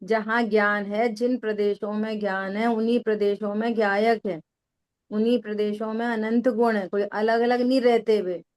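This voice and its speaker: A woman's voice: mid-range voice, little pitch movement, normal speed, a little mellow, lo-fi sound. A middle-aged woman teaching a spiritual discussion, answering questions patiently with everyday examples and repeated phrasing.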